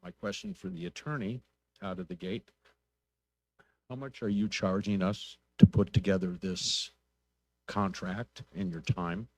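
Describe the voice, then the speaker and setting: Low-voiced man questioning at a council meeting. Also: low-quality recording. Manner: plainspoken, probing, deliberate. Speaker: city council member.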